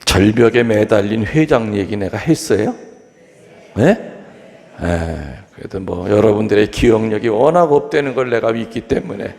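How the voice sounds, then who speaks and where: Priest doing a chatty funny homily, kinda gravelly voice, lots of hall echo. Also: male voice, fairly low pitch, lively intonation, moderate pace, darkish tone. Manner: chatty, joking with the congregation. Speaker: Catholic priest. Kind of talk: humorous homily, storytelling. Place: church. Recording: long reverb of a large hall.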